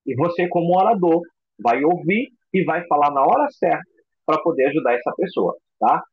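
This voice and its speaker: A man teaching a recorded psychoanalysis lecture in an expressive way, acting out example voices. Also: on the high side, normal speed, husky, dry recording, narrow, tinny audio. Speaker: psychoanalysis instructor.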